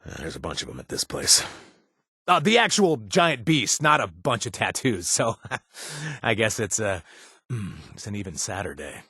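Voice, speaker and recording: A wry wasteland bounty broker in a video game, laid-back and quick with a pun. His voice is low and a little husky, and it rises and falls a lot. The recording is dry and close. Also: huge pitch swings, sharp tone, dry recording, heavily acted. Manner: laid-back, punning, hesitant with fillers.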